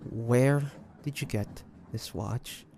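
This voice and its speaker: A man playing an earnest, guilt-ridden demon hunter in an audio roleplay, speaking gently and haltingly to the listener. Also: mid-range voice, gravelly, slight background noise. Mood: tense, pleading. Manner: hesitant, halting, soft-hearted delivery with pauses. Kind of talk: dramatic audio roleplay acting addressed to the listener.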